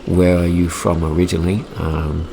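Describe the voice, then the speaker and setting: A deep, gravelly man in his forties, talking with a Midlands English accent that has drifted from years abroad. He rambles casually with plenty of ums and restarts, like a hobby vlogger narrating his own footage. A steady hiss of noise sits under the recording. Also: normal speed. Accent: English Midlands, softened by years abroad. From England, Derby. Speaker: RC hobby YouTuber. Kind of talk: casual voice-over commentary.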